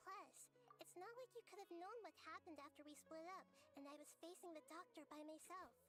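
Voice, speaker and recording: A woman playing a small, wise, gentle girl deity in an anime game, measured and thoughtful. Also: extremely high pitch, music in the background. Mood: calm.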